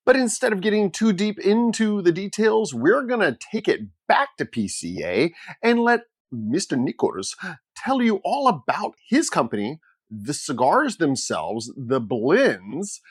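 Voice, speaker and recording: An enthusiastic man hosting a cigar video, reading a playful scripted intro. His pitch rises and falls a lot. The sound is dry and close, with no room echo. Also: breathy edge. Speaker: cigar shop host.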